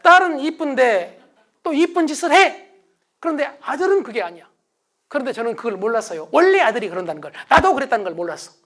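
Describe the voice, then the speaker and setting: A man's voice: very high-pitched, sing-song, fast. Man, middle-aged, motivational lecturer, quizzes the audience, answers his own questions. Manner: asks the audience questions and answers them himself; acts out shouted family calls. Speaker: success lecturer.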